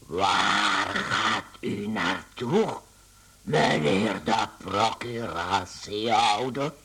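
Transformed insect salesman for radio drama; meek, oddly calm, deliberate, drawn-out delivery. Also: fairly low pitch, slightly rough, exaggerated voice, low-quality recording. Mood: pleading. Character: travelling salesman turned insect, meek, earnest, strangely calm. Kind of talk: Dutch-language radio play acting.

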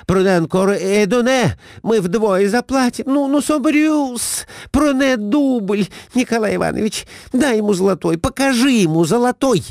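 Man doing a shrill bossy wife. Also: very animated, unhurried, a little mellow, dry recording, clean studio sound. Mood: frantic. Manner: nagging, shrill, peppered with broken French. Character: shrill scolding middle-aged wife, bossy.

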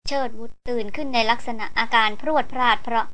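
A woman narrating a novel as an audiobook, in a steady storytelling manner. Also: on the high side, quick pace. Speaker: audiobook reader.

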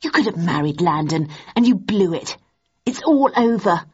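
A woman's voice: fairly low pitch, lively intonation, normal speed, slightly rough. A woman reading an audiobook, voicing a smug, mocking young woman who talks down to her rival. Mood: threatening. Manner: disdainful, sneering. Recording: dull lo-fi recording.

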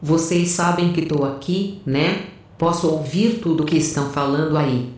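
Uma mulher interpretando uma imediata de nave debochada e sarcástica, em audiodrama. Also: female voice, sits low, normal speed, a little mellow, lightly acted. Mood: sarcastic. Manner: sarcastic, cheeky. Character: cheeky, foul-mouthed female first mate, sarcastic. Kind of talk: audio drama dialogue. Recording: very echoey room.

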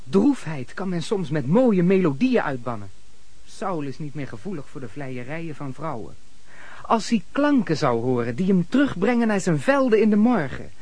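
An actor playing a deferential, gentle royal servant who advises in a respectful, lyrical manner in a radio play. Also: male voice, high-pitched, dry recording, heavily acted.

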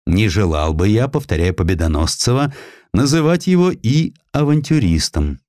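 A man narrates a historical audiobook in a low voice. His intonation moves freely and expressively, dramatizing the story. The sound is dry and close. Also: very animated, normal speed, darkish tone, no echo. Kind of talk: scripted narration of historical sketches.

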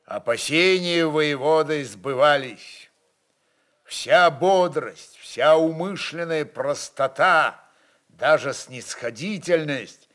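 A man's voice: medium pitch, fairly bright tone. A man reading literary prose as a narrator, in a dramatic storytelling style.

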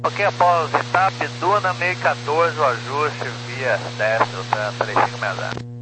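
A man's voice: a little high, a little slow. Brazilian male pilot through very noisy radio. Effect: aviation radio. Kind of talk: radio requests and readbacks. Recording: very noisy, humming aviation radio.

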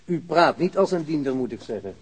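An actor playing a sardonic, impatient corpse collector with gallows humour in a radio drama, talkative and mock-polite. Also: male voice, a little high, expressive, brisk, slight background noise, natural voice. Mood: gossipy.

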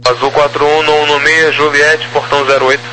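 A man's voice: a little high, flat delivery, normal speed, sharp tone. A man with a Brazilian accent issuing taxi instructions as a ground controller over a crackly radio transmission. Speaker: ground air traffic controller. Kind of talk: air traffic control radio phraseology. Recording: humming, noisy aviation radio.

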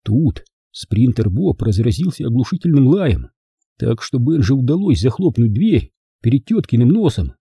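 A man narrating an audiobook in a lively, expressive storytelling manner. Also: medium pitch, moderate pace, breathy edge, no room sound, muffled recording. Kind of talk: scripted narration.

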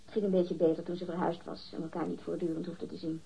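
Husky, catty woman witness. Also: lowish voice, flat delivery, fast talker, mellow, exaggerated voice. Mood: gossipy. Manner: disdainful, prickly, emphatic. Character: catty, defensive woman witness gossiping about her former roommate. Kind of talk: acted radio drama dialogue. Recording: dull, muffled lo-fi radio recording.

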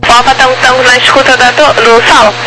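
A Brazilian man working as an air traffic controller, giving procedural clearances over an aviation radio. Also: very high-pitched, flat delivery, a little fast, music in the background, rough recording. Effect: aviation radio transmission.

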